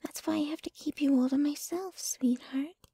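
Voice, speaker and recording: A woman's voice: high-pitched, normal speed, warm tone, no echo. A woman playing a jealous, possessive, doting young girlfriend in an intimate, dramatic ASMR roleplay. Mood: tender, doting. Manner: intimate, dramatic, swinging between ranting and breathy murmuring.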